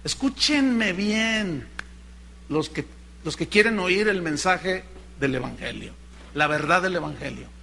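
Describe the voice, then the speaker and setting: High, bright-voiced preacher. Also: male voice, expressive, slow, vocal fry, a little hiss or hum. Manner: rhetorical, questioning, dramatic. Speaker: pastor. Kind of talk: sermon.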